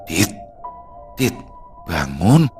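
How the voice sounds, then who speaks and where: A man's voice: sits low, sing-song, drawn-out words, darkish tone, faint music behind, voice pushed down, heavily acted. A man voicing a stern, watchful old grandmother who speaks firmly and bluntly. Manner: firm, commanding, blunt.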